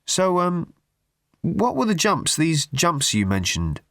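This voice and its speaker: A man's voice: a little high, huge pitch swings, slow pace, gravelly, fairly bright tone, dry recording, studio quality, pitched above the performer's own voice, full character voice. A man reading aloud, voicing a flustered, anxious traveller who speaks hesitantly and apologetically.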